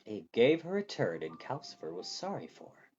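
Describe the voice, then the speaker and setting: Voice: mid-range voice, wildly swooping pitch, normal speed, darkish tone, slightly rough, dull audio, voice pushed down. A storyteller voicing a vain, sardonic young male wizard in a storybook, theatrical and mock-polite. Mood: sardonic, scolding.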